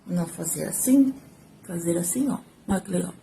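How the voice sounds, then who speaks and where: A woman's voice: fairly low pitch, moderate pace, creaky, a little hiss or hum. A woman with a Brazilian Portuguese accent, a former TV reporter, giving a casual, talkative tutorial to her phone camera at home. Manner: talkative, animated, gestures while speaking. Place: at home, indoors. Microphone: phone, front camera.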